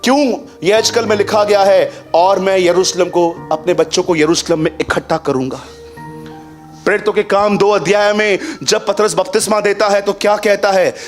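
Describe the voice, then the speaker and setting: A man with a high voice preaches a sermon and keeps asking the congregation rhetorical questions. He slips English phrases into his talk and moves between a raised voice and a low one. Soft music plays faintly underneath. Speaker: pastor.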